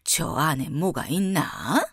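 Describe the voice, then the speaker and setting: A woman's voice: deep voice, very animated, takes it slowly, slightly rough, no echo, clean studio sound, voice pushed down, heavily acted. A woman voicing a stern, hot-tempered old mother in a bedtime storybook reading, talking in a scolding, suspicious way. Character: stern old village mother, quick to anger.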